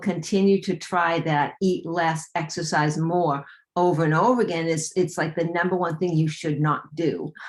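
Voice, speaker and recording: A woman with a plain, everyday voice, a fairly low pitch, fairly even intonation and a moderate pace. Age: 60s. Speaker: weight loss coach. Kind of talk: interview.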